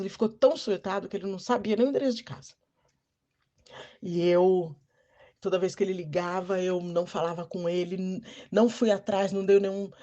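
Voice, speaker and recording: A Brazilian woman telling an emotional personal testimony in an earnest, halting way with frequent restarts. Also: fairly low pitch, dark tone. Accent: Brazilian Portuguese. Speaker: testimony speaker.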